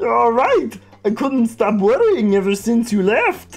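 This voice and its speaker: A put-on character voice that sounds female, fairly high-pitched for a woman, speaks at a moderate pace with music playing behind it. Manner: tearful, worried.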